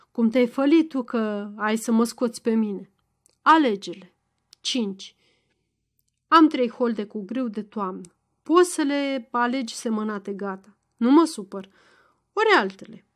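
A woman voicing a stubborn, crafty old peasant father-in-law who speaks in a loud, gruff, mocking way. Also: a little high, natural voice.

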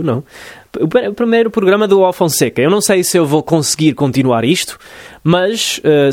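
A man from New Jersey, talking in Portuguese as a podcast host, reflective and full of pauses and restarts. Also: medium pitch, no echo, clean studio sound. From United States (New Jersey). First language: English. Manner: hesitant, many fillers and restarts, reflective. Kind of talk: casual solo podcast monologue.

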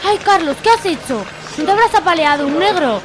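A woman's voice: very high voice, lively intonation, brisk, music in the background. A woman playing a gushing, lovestruck bar regular in an amateur radio soap comedy. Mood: lovestruck, concerned.

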